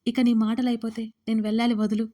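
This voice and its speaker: A hurt young woman in an audio drama, reproachful and close to tears, read by a woman. Her voice is a touch high with a soft, mellow tone. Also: little pitch movement, fast, lightly acted. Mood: dismissive. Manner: tearful, reproachful.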